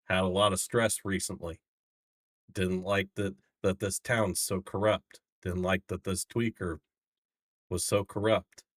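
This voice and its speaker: Deep-voiced man acting as a jaded prisoner, blunt, resigned, halting, tabletop fantasy game, close dry sound. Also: level tone, dry recording. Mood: weary, resigned. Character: weary, unrepentant prisoner adventurer, fed up and resigned.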